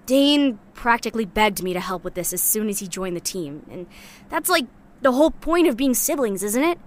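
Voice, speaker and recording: A woman's voice: fairly high pitch, lively intonation, moderate pace, natural voice. A woman playing a guarded, cynical young scrap scavenger in a sci-fi audio drama, talking bluntly and casually with sardonic bite. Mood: reflective, wry. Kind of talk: audio drama monologue, naturalistic.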